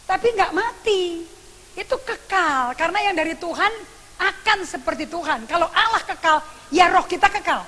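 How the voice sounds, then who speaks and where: High-voiced woman pastor preaching in a church hall. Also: moderate pace. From Indonesia. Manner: animated storytelling with acted quotes. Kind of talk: sermon. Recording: long reverb church hall with faint hiss.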